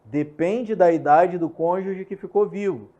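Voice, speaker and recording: A young man with a Brazilian Portuguese accent teaching an online law lesson, repeating key points and checking in with quick questions. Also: high voice, warm tone. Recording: slightly muffled lo-fi recording.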